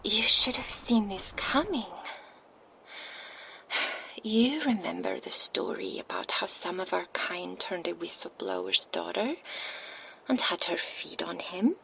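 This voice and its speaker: A cold female vampire, as a woman acts her out, whispers slowly and menacingly right beside a binaural mic. The low, gravelly whisper takes its time with every taunt, and a faint hiss sits beneath it. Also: lively intonation, heavily acted, poor audio. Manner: soft unvoiced whisper, slow and taunting. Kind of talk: ASMR roleplay, whispered. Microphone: binaural microphone.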